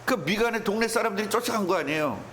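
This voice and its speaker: Guy preaching a sermon, voice jumping up and down, kinda high for a man, acts out little scenes. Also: fast, slight background noise. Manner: animated storytelling with acted quotes. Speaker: pastor.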